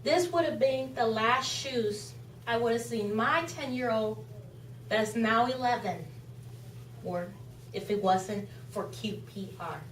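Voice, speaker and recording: A woman's voice: fairly high pitch, slow, a little hiss or hum. A woman whose first language is Spanish, giving an earnest, impassioned charity talk to a club. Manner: earnest, impassioned, repeats phrases. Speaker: charity speaker. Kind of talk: club presentation speech. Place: meeting room. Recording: echoey room from far off.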